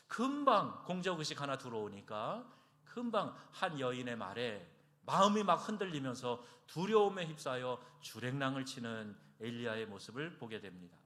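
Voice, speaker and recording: In the church sanctuary, a man delivers his Sunday sermon as pastor. When he voices quoted prayers and characters, his pitch and volume rise and fall dramatically.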